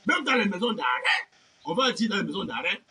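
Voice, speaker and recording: A man preaching a fervent revivalist sermon, shouting and exhorting with repeated phrases, rhetorical questions and amens. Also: high voice, very animated, fairly quick, distant mic.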